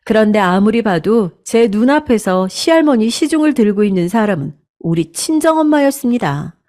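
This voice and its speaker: A woman reading a scripted first-person story in an even, confessional manner. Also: medium pitch, moderate pace.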